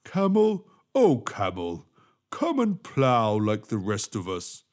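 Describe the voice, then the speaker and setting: Guy doing a big slow plodding ox, plaintive, drawn out words, storybook. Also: fairly low pitch, wildly swooping pitch, a little mellow, exaggerated voice. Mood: slow pleading.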